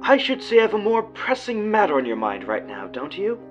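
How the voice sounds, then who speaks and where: A man's voice: high-pitched, huge pitch swings, brisk, highs cut off, soft background music. A man playing a suave psychopathic villain in an audio drama, courteous and mock-polite, with a faint German accent. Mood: gloating, playful. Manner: courtly, mock-polite, teasing tag questions. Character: suave, theatrical psychopathic villain, serenely pleasant kidnapper.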